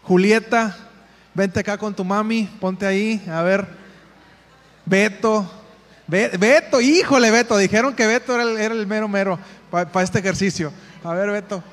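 High-voiced Mexican man leading a group. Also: moderate pace. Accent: Mexican Spanish. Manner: directive, calls people by name, repeats instructions. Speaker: workshop facilitator for parents. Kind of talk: leading a live group exercise. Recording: reverberant hall sound.

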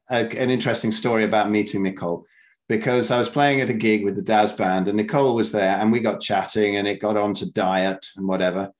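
A man hosting a podcast interview, talking casually and rambling, with frequent repeated words and restarts. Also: medium pitch. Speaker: podcast host.

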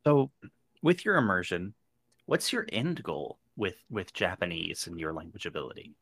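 A man hosting a podcast, asking his guest relaxed, probing questions. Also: low voice, normal speed, husky, no room sound, studio quality. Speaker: podcast host. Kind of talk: casual interview.

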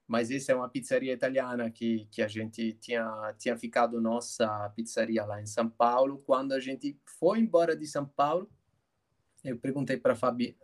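A man from Italy chats as an interview guest in a mid-pitched, ordinary voice. He talks in a halting way, restarting his sentences and letting phrases trail off as he searches for words. The tone stays relaxed and conversational. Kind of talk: casual conversation.

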